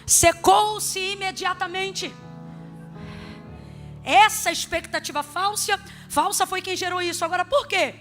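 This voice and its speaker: A woman preaching a sermon, telling funny stories with sudden shouted peaks. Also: very high voice, a little slow, long pauses, faint music behind. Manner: animated, humorous storytelling with sudden shouted peaks.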